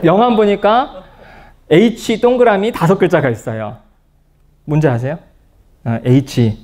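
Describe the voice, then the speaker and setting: A man's voice: high voice, takes it slowly. A man giving a psychology lecture, telling personal stories to an audience and acting out the dialogue he quotes. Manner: lively storyteller who acts out quoted dialogue. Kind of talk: public lecture, personal storytelling. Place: lecture room at a counseling center.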